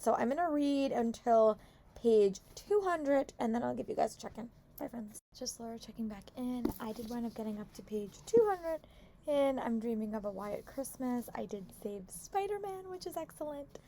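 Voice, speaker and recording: A young woman chatting casually in a book vlog, hoarse from a long day of talking at work, upbeat with lots of "like" and restarts. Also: fairly high pitch, lively intonation, moderate pace, a little mellow, slight background noise. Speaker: book vlogger. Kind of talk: casual vlog check-ins.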